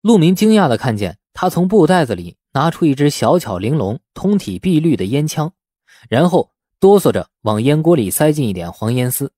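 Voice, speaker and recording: A male audiobook narrator reads a novel in a dramatic, scripted style. His pitch is expressive and varied, and the recording is dry and free of room sound. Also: normal speed, dry recording.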